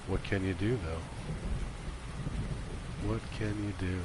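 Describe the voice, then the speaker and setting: A man's voice: sits low, fairly even intonation, slow pace. A man with a congested, stuffy-nosed voice from a cold, doing casual livestream commentary on a game as its host. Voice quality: stuffy nose. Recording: clear background noise of falling rain. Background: game rain sound.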